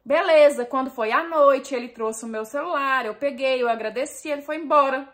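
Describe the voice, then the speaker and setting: Emotional woman with a high voice telling a story. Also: normal speed, a bit bright. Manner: emotional, confiding, addresses listeners as "gente". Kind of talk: first-person storytelling.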